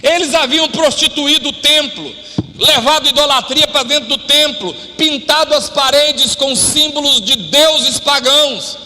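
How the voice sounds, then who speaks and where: Man, pastor, very high voice, bright tense tone, live church reverb. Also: measured pace. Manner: fervent preaching, shouting at climaxes; drops to a lower, quieter, chatty tone. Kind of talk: live sermon. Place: church hall.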